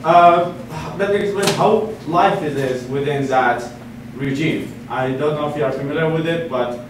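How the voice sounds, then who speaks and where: A man's voice: fairly high pitch, moderate pace. A man in his twenties from Iraq gives an earnest talk from a podium to a seated audience, restarting phrases often. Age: 20s. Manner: earnest, with frequent restarts and fillers. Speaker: guest speaker. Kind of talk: public lecture. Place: meeting room with a seated audience. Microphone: podium mic from far camera. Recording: echoey room, distant mic, audible noise.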